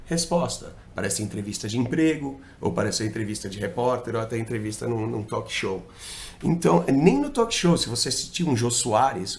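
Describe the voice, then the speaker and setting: A man, talking on a casual podcast. His pitch jumps up and down as he explains, and he uses lots of slang and piles up example after example. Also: darkish tone. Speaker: podcast co-host and dating coach.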